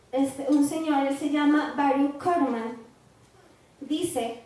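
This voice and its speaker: A woman pastor with a Colombian accent preaches in a high voice, taking her time over each phrase. She teaches by turning to her congregation again and again for agreement. The sound rings with a heavy church-hall echo. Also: a little mellow. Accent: Colombian Spanish. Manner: teaching, asks the congregation "¿cierto?" often. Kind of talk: sermon.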